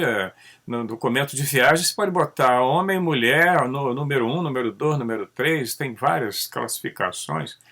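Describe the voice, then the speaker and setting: A man from Brazil, talking through ideas in a casual monologue, tagging sentences with a questioning "né" and swinging his pitch up and down. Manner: conversational, tags sentences with "né?"; animated, pitch rising and dropping often. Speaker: channel host.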